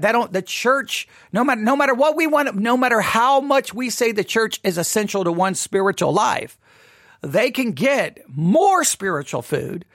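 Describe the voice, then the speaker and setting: A man's voice: very high voice, a bit bright, dry recording, clean studio sound. A man hosting a solo commentary podcast, talking earnestly with repeated emphasis and frequent restarts. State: voice briefly giving out. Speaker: podcast host.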